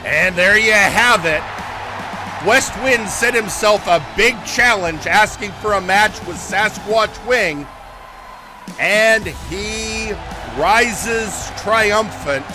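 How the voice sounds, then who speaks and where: A man doing live play-by-play as a wrestling commentator, with exclamatory, drawn-out calls. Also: high voice. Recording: loud crowd and music behind. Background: crowd noise, music, ring thuds.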